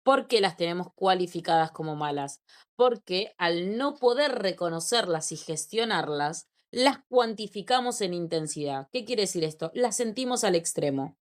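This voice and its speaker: A young woman with an Argentine Spanish accent gives an informal class lecture, conversational and often checking in with quick rhetorical questions. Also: on the low side, lively intonation. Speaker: teacher.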